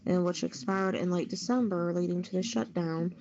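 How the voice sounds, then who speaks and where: Low-voiced woman on a dull lo-fi line. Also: normal speed. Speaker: co-host reading news stories. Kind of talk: reading news aloud with personal comment. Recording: dull lo-fi, crowd noise behind.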